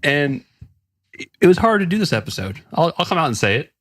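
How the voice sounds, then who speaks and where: A man's voice: on the high side, very animated, fairly quick, dry recording. A man co-hosting a podcast in casual chat, talking loosely with swearing and frequent restarts. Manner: loose, profane, rambling with restarts. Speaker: podcast co-host.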